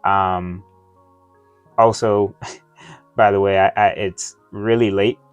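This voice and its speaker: Male unboxing reviewer, lowish clear voice, lightly lisping from retainers, hesitant and meandering casual chat. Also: steady tone, no room sound, lo-fi sound, soft background music. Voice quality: slight lisp from wearing dental retainers. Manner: halting, rambling, often losing his thread. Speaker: toy review vlogger. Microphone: close microphone within his reach.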